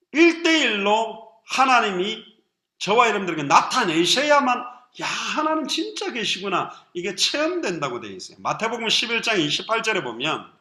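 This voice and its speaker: A man preaching a sermon as pastor, animated and lively. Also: high-pitched, reverberant. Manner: lively preaching with acted quotes.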